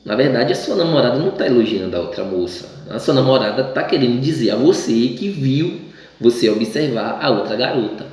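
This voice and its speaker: Male teacher, conversational, mid-pitched, recorded in a strongly echoing room. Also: animated, fairly quick, darkish tone. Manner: chatty, acts out quoted voices, many restarts. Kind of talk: recorded class lesson. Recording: very echoey room.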